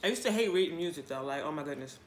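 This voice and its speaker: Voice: medium pitch, expressive, racing. Vlogger chewing while talking, in a roomy space. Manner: talks with mouth full, chewing between phrases. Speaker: mukbang vlogger. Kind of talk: casual mukbang chat, chewing while talking. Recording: roomy echo, faint background noise.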